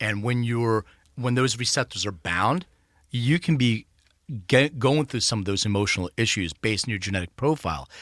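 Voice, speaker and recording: The speaker has a Philadelphia accent, lively intonation and a moderate pace. The sound is dry and close with no echo, on a very clean recording with a silent background. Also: man, medium pitch for a man. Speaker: cannabis genetics expert. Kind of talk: casual interview.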